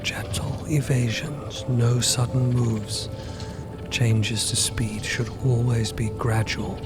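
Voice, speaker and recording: A man's voice: mid-range voice, level tone, slow. A man giving scripted, literary narration for an audio drama. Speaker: narrator and voice actor. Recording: loud music behind.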